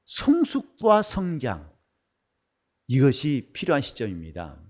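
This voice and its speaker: A middle-aged man preaching a sermon as pastor, his voice husky and worn, switching between loud bursts and quiet asides. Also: mid-range voice, huge pitch swings, a little slow. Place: church sanctuary.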